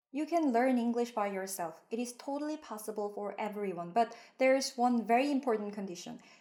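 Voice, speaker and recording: In a Korean accent, a woman with a fairly high pitch and dark, mellow tone speaks at a fairly quick pace with ordinary pitch variation. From South Korea. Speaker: translator and YouTuber. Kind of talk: talk to camera tutorial.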